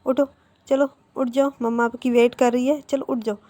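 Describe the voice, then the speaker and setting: A caring young older sister coaxes softly and patiently. Her voice is fairly high and mellow, as a woman narrator puts her on. It belongs to a storybook retelling. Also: level tone, moderate pace, no echo, natural voice. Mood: coaxing.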